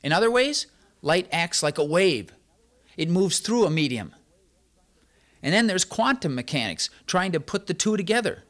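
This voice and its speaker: A man's voice: high-pitched, big pitch swings, normal speed, a bit bright. A man giving an emphatic sermon, stressing points through repetition as a Bible teacher.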